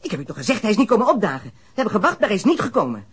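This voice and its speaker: An actor playing a defensive young male smuggler under police questioning in a radio drama, evasive and quick to protest. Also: sits high, huge pitch swings, a bit bright, slightly rough, heavily acted. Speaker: suspect under interrogation.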